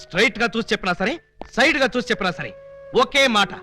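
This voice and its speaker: A flustered comic police officer who dodges every accusation with quick denials and wordplay. His voice is very high and sharply bright. It comes from a film soundtrack with music underneath. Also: lively intonation.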